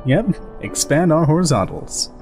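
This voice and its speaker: With music playing behind him, a man fan-dubs a game scene as a chatty, joking older soldier, easygoing, rambling and goofy, quick to laugh. His fairly high voice has lively intonation and normal speed and sounds close to everyday speech.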